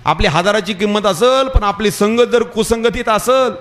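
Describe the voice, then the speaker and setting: A man's voice: high voice, normal speed, fairly bright tone. A man preaching a devotional kirtan sermon at a live gathering. He tells parables in a conversational way and keeps calling on the listeners to pay attention. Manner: addresses the audience directly with repeated calls to listen.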